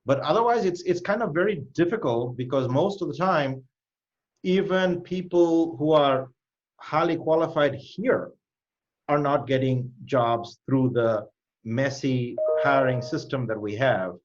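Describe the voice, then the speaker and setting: A man hosting a live online Q&A as a cybersecurity educator, giving direct, emphatic advice with quick lifts in pitch. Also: lo-fi sound. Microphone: video call.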